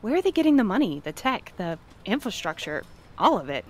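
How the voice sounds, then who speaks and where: Actress as prim well-meaning woman courier, businesslike, animated pitch, audio drama, background noise. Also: brisk, natural voice. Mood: skeptical. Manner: earnest, careful, businesslike. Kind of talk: naturalistic audio drama acting.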